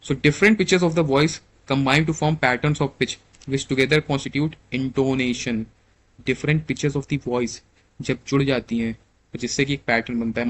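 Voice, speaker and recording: A young man teaching an exam lecture, reading English definitions slowly and then explaining them casually with frequent "clear?" checks. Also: medium pitch, low-quality recording. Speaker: exam tutor. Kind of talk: lecture mixing Hindi and English.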